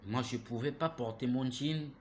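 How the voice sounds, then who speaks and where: A man in an impassioned monologue. His voice sits at a middle pitch, and he lectures insistently, repeating points and nudging listeners with "hein?". His tone often climbs to loud indignation. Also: normal speed, a little hiss or hum. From Gabon. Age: 30s. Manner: preachy, repeats himself, asks listeners "hein?"; grows loud and heated. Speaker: vlogger.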